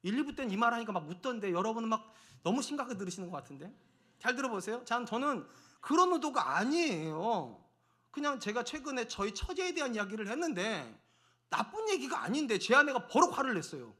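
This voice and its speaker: A middle-aged male pastor delivers a Sunday sermon with a high, bright voice. He swings his pitch widely as he acts out little quarrels with his wife to make his point. It was recorded in a church sanctuary. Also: sing-song, a little fast. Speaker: senior pastor.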